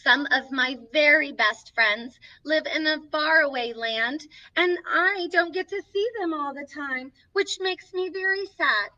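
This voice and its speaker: In this children's story time, a woman voices Snow White as a sweet young princess, reading a picture book aloud in a warm, encouraging, sing-song way. Her high-pitched voice is pushed and bright, moving a little slowly. The audio, recorded at a distance, sounds slightly dull.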